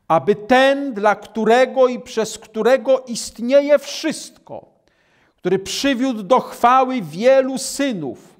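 An older man in his sixties, standing at a lectern in a small hall, preaching a Bible sermon and reading scripture aloud in a measured, emphatic way. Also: sits high. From Poland. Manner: measured, emphatic preaching, slowing on key phrases. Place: small hall with world maps behind a lectern.

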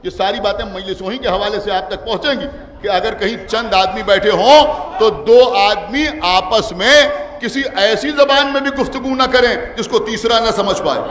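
Male preacher, Lucknow Urdu accent, very high voice, quiet teaching that builds to shouts; recorded in an echoing hall with long reverb. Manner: swings from quiet explaining to shouted climaxes, calls for salawat. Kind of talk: majlis sermon. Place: large imambara hall with gathered crowd. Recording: echoey hall, long reverb, faint crowd.

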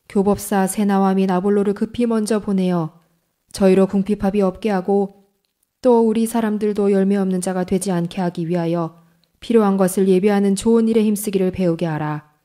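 A woman reading Bible passages aloud in a slow, even, solemn manner. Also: medium pitch. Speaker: Bible reader. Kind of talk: scripture reading.

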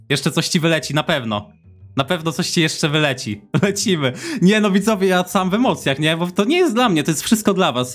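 Excitable young man, high voice. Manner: chatty, excitable, talks straight to viewers. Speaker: gaming YouTuber. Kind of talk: casual gameplay commentary.

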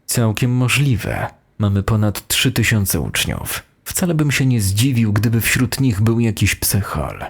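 A man's voice: lowish voice, very animated, measured pace, gravelly, few pauses, breathy edge, heavily acted. A man voicing a smug, calculating teacher in an audio horror story, coolly reassuring. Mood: calm, dismissive. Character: smug, calculating male teacher, secretly a killer.

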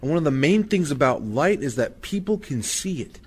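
A man's voice: fairly high pitch, very animated, normal speed, a little mellow, breathy edge. An actor playing a patient, earnest Christian father counseling his son in an audio drama. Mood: gentle, earnest.

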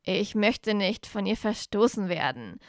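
A woman reading aloud voices a proud young male wizard who sounds flat and defeated, speaking low and slowly. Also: dry recording, clean studio sound. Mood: weary.

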